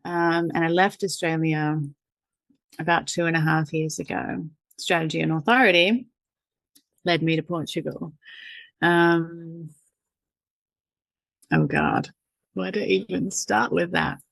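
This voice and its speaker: A woman's voice: deep voice, animated, unhurried, gravelly, pauses often, a bit bright, dry recording. A woman, a guest chatting casually, rambling and laughing, with lots of fillers and the odd swear. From New Zealand. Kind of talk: casual conversational interview.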